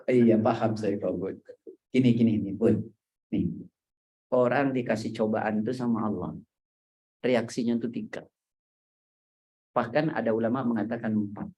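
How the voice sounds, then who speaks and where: A middle-aged man preaching to a women's congregation in a mosque hall, animated and joking, often putting questions straight to his listeners. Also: on the low side, normal speed, long pauses. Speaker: Islamic preacher.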